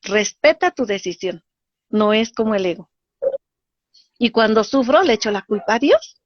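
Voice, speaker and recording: A woman, a spiritual teacher explaining ideas in a lively way and acting out little dialogues. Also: on the high side, normal speed, no room sound. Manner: animated, acts out voices in dialogue. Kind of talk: teaching talk. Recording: dull lo-fi dry sound.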